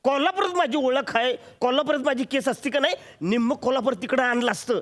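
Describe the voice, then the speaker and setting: An actor playing an excitable male villager from Kolhapur in legal trouble, telling his story in an animated, rustic way with a Kolhapur Marathi accent. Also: very high-pitched, fast, background noise. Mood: excited. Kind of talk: stage comedy sketch.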